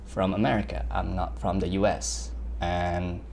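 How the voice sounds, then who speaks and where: Low-voiced man teaching a VFX livestream. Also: little pitch movement, vocal fry, darkish tone, a little hiss or hum. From Indonesia. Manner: halting, many fillers and self-corrections. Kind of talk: live screen-share software tutorial.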